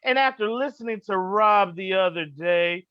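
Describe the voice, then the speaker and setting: A man's voice: high-pitched, normal speed, smooth, no echo, close to an everyday voice. A man playing a cocky, boastful wrestling prince who taunts through a theatrical promo, in lo-fi audio. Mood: taunting.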